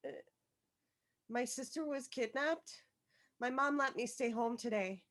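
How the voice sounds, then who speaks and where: A woman acts out a young schoolgirl in a script read. The voice is high and bright. She is meek and polite, hesitating often, yet stays earnest and hopeful. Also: unhurried. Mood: nervous, polite. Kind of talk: virtual table read of a film script.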